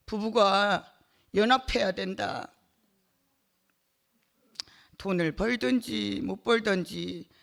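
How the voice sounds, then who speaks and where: A middle-aged woman giving an emotional personal testimony at a church gathering, halting, with many fillers and small laughs between phrases. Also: medium pitch, creaky.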